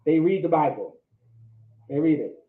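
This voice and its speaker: A man's voice: fairly high pitch, lively intonation, normal speed. A man teaching a language class, often checking in with "all right?" and pressing his points. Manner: repeats "all right?" to check understanding, emphatic. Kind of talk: classroom lecture. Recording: echoey room, phone-like audio.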